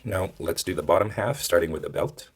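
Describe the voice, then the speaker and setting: Male tutorial host, very deep pitch, husky hoarse voice, informal step-by-step instruction, thinking aloud. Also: a little fast, faint music behind. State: hoarse, losing his voice. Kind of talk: casual step-by-step drawing instruction.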